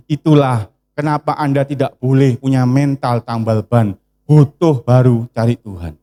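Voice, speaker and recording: A man preaching a sermon to a church congregation in with a tinge, lively and bantering with his listeners. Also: mid-range voice. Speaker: pastor. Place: church service.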